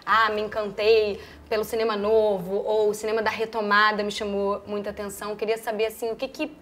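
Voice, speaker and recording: A woman's voice: mid-range voice, flat delivery, brisk, a bit bright, slight background noise. A woman host asking panel guests long, searching questions.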